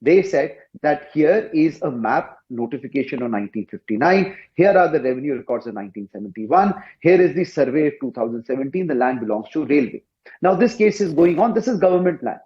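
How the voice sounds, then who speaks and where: A man speaking as a panelist in a televised debate, insistent and forceful, with a loud voice. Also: fairly high pitch, expressive, brisk, dull audio.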